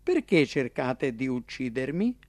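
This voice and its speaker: A man voicing an earnest, impassioned male teacher, declaiming slowly and emphatically. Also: medium pitch, big pitch swings, a little mellow, no room sound. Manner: emphatic, declaiming, slow and ringing.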